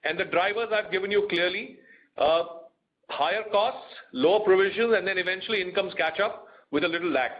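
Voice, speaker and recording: A man with an Indian accent answering questions as a bank executive on an earnings call, in a measured, explanatory way. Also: high-pitched. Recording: muffled conference call audio.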